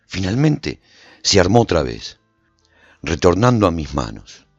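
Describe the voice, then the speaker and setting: Deep husky-voiced male storyteller. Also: unhurried, dry recording. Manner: expressive storytelling. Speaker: narrator. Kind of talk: scripted radio drama narration. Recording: dull lo-fi recording with faint music.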